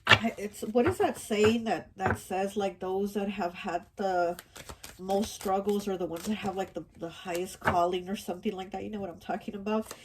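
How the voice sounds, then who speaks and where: Allergies leave this woman sounding stuffy and nasal as she rambles through a casual tarot reading, full of fillers and restarts. Her medium-pitched voice holds a steady tone at a moderate pace, and the background is noisy.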